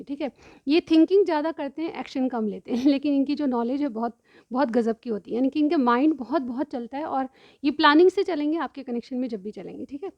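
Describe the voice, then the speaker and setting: A woman reading tarot cards for her viewers. She explains each card in turn, often says "theek hai", and keeps clearing a sore throat. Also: high-pitched, dry recording, highs cut off. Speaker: tarot reader.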